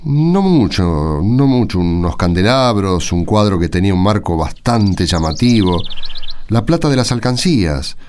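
A man's voice: lowish voice, sing-song, moderate pace, darkish tone. A man playing a kindly, weary village priest, fatherly and conversational, with an Argentine accent, in a radio drama. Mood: weary, resigned.

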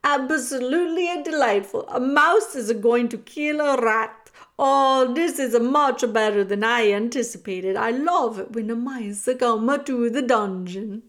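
A woman voicing a cruel, gleeful male rat in a storybook, loud, mocking and relishing every word. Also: on the high side, unhurried, lightly acted.

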